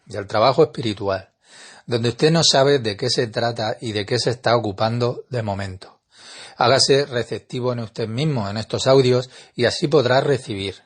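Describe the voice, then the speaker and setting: Husky-voiced man giving a measured lecture. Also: mid-range voice. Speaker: Kabbalah teacher. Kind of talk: spiritual lecture.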